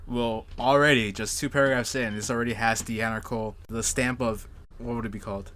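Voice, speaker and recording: A man co-hosting a podcast in casual chat, excitable and sarcastic, swearing freely. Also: medium pitch, fairly quick. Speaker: podcast co-host.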